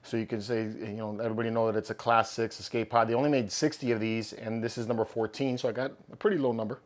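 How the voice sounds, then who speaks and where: A man hosting a collectibles channel, chatting casually through an unboxing while his voice is going hoarse. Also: fairly low pitch, steady tone, fast. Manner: upbeat, loose and chatty with fillers. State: losing his voice, slightly hoarse.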